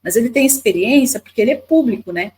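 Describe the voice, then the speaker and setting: Chatty Brazilian woman, slightly high voice. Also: animated, quick pace, darkish tone, low-quality recording. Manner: chatty, repeats words, many tag questions. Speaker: podcast guest, YouTuber and lawyer. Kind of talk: casual storytelling interview.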